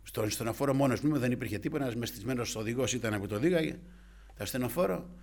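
A man with a medium-pitched voice and lively intonation preaches a sermon fervently, swinging from hushed asides to loud exclamations. He frequently drops in short interjections.

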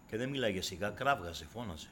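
A man preaching a sermon to his congregation, dropping to hushed asides and then rising into loud, impassioned exhortation. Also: on the low side, lively intonation, slight background noise. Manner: keeps addressing listeners as brothers and sisters.

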